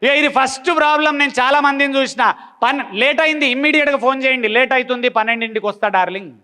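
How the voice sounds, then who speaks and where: A man's voice: very high-pitched, fairly even intonation, fast, pushed and bright. A man giving a blunt motivational talk, full of repeated rhetorical questions. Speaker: motivational speaker.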